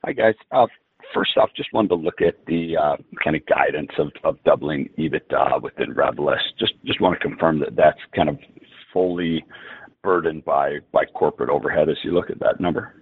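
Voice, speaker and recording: A man's voice: very deep voice, normal speed, breathy edge, no echo. A man working as a financial analyst, casually asking business questions on an earnings call. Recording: dry narrow phone line.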